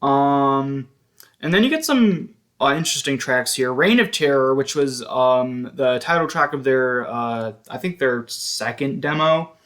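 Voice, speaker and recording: A man's voice: medium pitch, expressive, fairly bright tone. A man giving a casual, hesitant show-and-tell commentary as a collector, often stopping to correct himself. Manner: halting, hesitant, self-correcting. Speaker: music collector vlogger.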